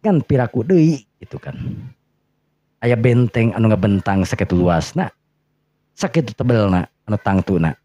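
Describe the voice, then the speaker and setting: A man narrates a dramatic bedtime tale with a Sundanese accent. His voice is low and mellow, in a dry but muffled lo-fi recording. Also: lively intonation, normal speed, long pauses, no room sound. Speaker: storyteller.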